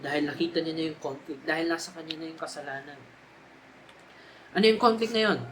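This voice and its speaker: A young man with a Filipino accent delivers a youth sermon, sliding between Tagalog and English. His voice sits high and he leans into emphatic, repeated phrases. A faint hum of room ambience stays underneath. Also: expressive, quick pace. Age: young adult. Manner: Taglish preaching, rising to emphatic repeated cries. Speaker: youth speaker.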